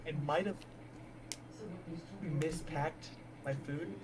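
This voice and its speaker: A man's voice: fairly high pitch, fairly even intonation, slow, a loud crowd. A man chatting casually as a player in a tabletop game. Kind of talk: casual chat during a game. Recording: noisy, distant from the mic.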